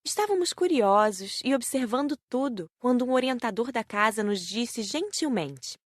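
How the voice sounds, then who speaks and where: A woman narrating a scripted audiobook story in the first person, with measured, careful enunciation. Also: on the high side, animated, no echo.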